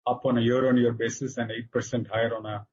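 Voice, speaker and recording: A man with an Indian accent presents as a finance executive on an earnings call, halting often with filler sounds. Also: mid-range voice, level tone, slight background noise. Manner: halting, hesitant delivery with frequent filler sounds. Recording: dull lo-fi conference call audio.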